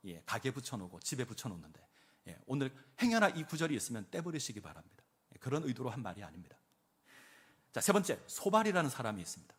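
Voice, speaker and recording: A man's voice: mid-range voice, husky. A man, a pastor, preaching a sermon and acting out quoted speech with rising emphasis.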